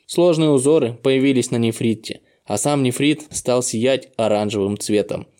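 A man with a mid-pitched voice narrates a fantasy novel. His delivery is steady, even storytelling in a scripted audiobook style. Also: moderate pace.

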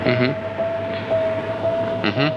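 A man's voice: medium pitch, very slow, recorded from a distance. A man journalist on a phone call, speaking hesitantly and deferentially as he tries to placate the other person. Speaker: journalist conducting a phone interview. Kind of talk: hesitant conversational phone talk. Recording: muffled noisy taped phone call.

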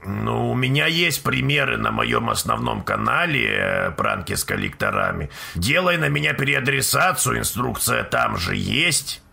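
A man's voice: medium pitch, sing-song, normal speed, creaky, hardly any pauses, bright, forceful tone. A man hosting a live stream, chatting bluntly and profanely to his viewers in a rambling way.

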